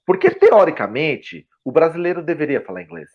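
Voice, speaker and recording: A middle-aged man with a Brazilian Portuguese accent, interviewed as a guest, explaining in an animated way and acting out example phrases. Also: a little high, brisk, lo-fi sound. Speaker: guest, language school CEO. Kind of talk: conversational interview.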